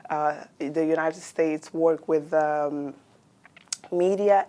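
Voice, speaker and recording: A young woman from Angola, a university student, answering interview questions in a measured way with frequent pauses. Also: low voice, a little mellow. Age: young adult. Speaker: exchange student.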